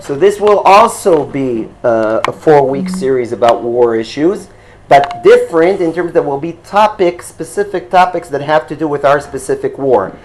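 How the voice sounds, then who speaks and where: A man's voice: a little high, expressive, a little hiss or hum, low-quality recording. A man from Israel, a native Hebrew speaker, teaching a class in English with an Israeli accent. He explains at length and often stops on fillers and checks with his listeners. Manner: halting, with frequent fillers and checks for understanding. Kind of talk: explanatory lecture.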